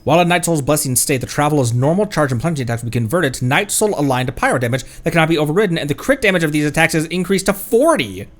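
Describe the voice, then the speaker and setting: A streamer giving casual, excitable live commentary on a game, exclaiming and often repeating phrases. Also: medium pitch, racing, hardly any pauses. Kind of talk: casual gameplay livestream commentary. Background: video game music.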